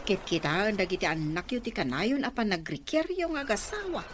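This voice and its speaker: Concerned mother of adult son, played by a woman, medium pitch, noisy recording. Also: very animated, fairly quick, lightly acted. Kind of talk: Ilocano audio drama acting.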